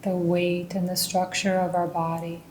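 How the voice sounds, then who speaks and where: A woman leading a guided mindfulness meditation, speaking calmly and gently. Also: on the low side, roomy sound, a little hiss or hum. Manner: slow, calm and gentle instruction.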